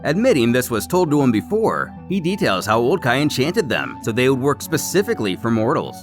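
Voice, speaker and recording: A man's voice: mid-range voice, big pitch swings, brisk, soft background music. A man narrating a scripted story recap as the storyteller. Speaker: narrator recapping a comic series.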